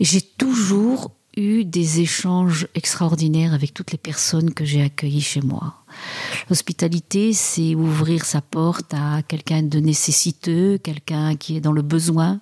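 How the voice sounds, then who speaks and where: A fairly low female voice at a very slow pace, with ordinary pitch variation, dry and close with no echo, over noticeable background noise. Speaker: concert organizer. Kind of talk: testimony.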